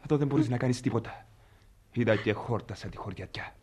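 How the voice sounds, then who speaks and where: An actor in a radio play, playing a snobbish young servant who talks with scorn and impatience. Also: male voice, mid-range voice, a little mellow, slightly rough, close to an everyday voice. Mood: scornful.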